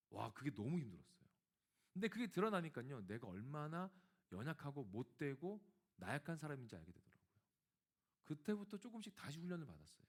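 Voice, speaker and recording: Male pastor, lively pitch, storytelling sermon that addresses the congregation. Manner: animated storytelling, acting out dialogue; speaks directly to the congregation.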